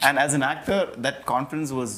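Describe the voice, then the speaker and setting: Earnest fast-talking actor. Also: male voice, mid-range voice, a loud crowd. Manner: earnest and soft-spoken. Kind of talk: casual chat.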